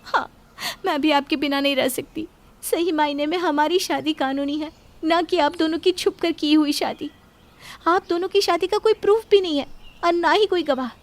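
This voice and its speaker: High-pitched woman, emotional and pleading. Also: moderate pace, a little hiss or hum. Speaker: voice actor in an audio story. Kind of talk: dramatic storytelling dialogue.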